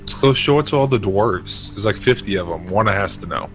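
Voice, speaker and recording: A man's voice: fairly low pitch, lively intonation, brisk, over music. A man playing a tabletop role-playing game, casual in his banter, grumbling and questioning.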